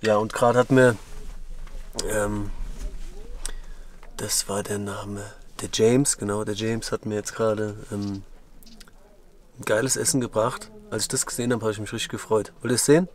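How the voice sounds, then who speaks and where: A young man from Germany chatting casually to his camera outdoors at a mountain camp, relaxed and full of fillers. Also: on the low side, normal speed, pauses often. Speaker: hiking vlogger. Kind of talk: casual vlog talk to camera.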